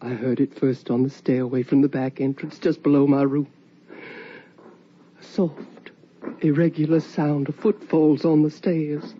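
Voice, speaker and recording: An actress playing the sorrowful ghost of a middle-aged mother in a radio drama, with a halting, brooding delivery. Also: rumbling low. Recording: dull, noisy old-time radio recording.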